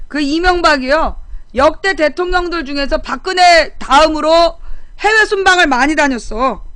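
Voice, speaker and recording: A woman's voice: high voice, normal speed, a bit bright, no echo. A woman hosting a casual political live-stream, talking bluntly and sarcastically as she scolds commenters. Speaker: political talk show streamer.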